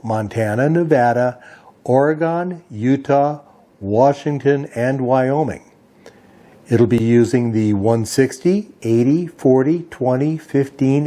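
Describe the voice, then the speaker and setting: A man's voice: mid-range voice, dark tone. A man hosting a hobby radio video, giving an informational briefing in a methodical, itemizing way. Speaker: host of a ham radio video channel.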